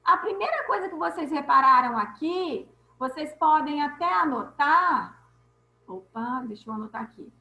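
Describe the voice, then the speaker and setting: A woman teacher leads an online class in a high, bright voice. She explains each point slowly and checks that her students follow. The sound is echoey, as if in a bare room. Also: expressive, lo-fi sound.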